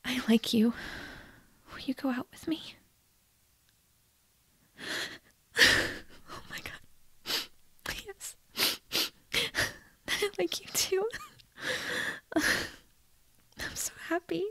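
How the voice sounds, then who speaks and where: Shy lovestruck teen girl played by a woman for ASMR roleplay: soft, close and dry, breathy whisper with some creak, nervous delivery. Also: extremely high pitch, animated, no room sound, exaggerated voice. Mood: nervous, earnest, then happy, flustered. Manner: hesitant, halting, tender. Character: shy, nervous teenage girl confessing love to best friend.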